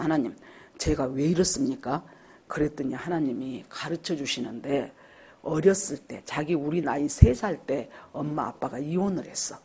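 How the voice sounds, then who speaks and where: A woman pastor in middle age delivers a sermon with a lively, swooping pitch. Her voice is slightly husky, and she keeps turning to the congregation with questions. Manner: animated, rhetorical questions to the congregation.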